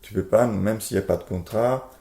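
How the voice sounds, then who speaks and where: Man, Italian accent, dark gravelly voice, hesitant speech, interview guest. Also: on the low side, a little fast, reverberant. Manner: hesitant, many fillers and restarts. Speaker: board game publisher guest. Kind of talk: casual interview talk.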